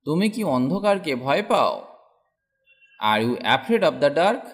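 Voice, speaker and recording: Slow, lively male English drill teacher. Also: a little high. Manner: reads each English sentence slowly twice after the Bengali one. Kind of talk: slow drilled sentence practice.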